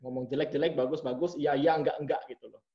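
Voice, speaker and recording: A fast-talking man with a mid-range voice sits for an interview, chatting loosely and dramatizing his anecdotes by impersonating the people in them, bosses included. It's recorded in muffled lo-fi quality.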